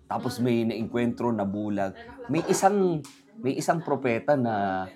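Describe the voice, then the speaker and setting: Male, casual storyteller, rambling, animated quoting. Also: medium pitch, measured pace, faint music behind. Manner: rambling, animated retelling with quoted voices and code-switching. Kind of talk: casual chat.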